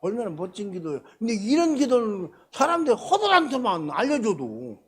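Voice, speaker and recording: An older man preaches at a church prayer meeting. His voice is somewhat husky, and his pitch moves around a lot. He speaks in a colloquial way, pressing hard on some phrases and dropping others almost to a murmur. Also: wildly swooping pitch, moderate pace. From Korea. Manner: colloquial, swings between loud emphasis and soft asides. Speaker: pastor. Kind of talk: sermon.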